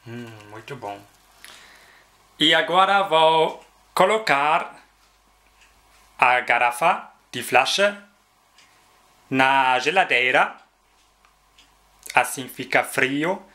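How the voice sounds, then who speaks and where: A man teaching vocabulary in a slow, repetitive lesson, carefully pronouncing each word several times. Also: a little high, expressive, pushed and bright. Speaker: German language teacher.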